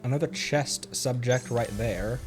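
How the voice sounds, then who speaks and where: A man's voice: mid-range voice, creaky. A man livestreaming a video game, chatting casually and playfully to himself as he plays. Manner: playful, giggly, self-talking. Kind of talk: casual game stream chat. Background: game music.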